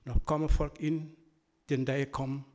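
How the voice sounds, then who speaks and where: A man giving an earnest sermon, telling personal stories and moving between loud and soft delivery. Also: medium pitch, little pitch movement. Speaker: church speaker; school worker.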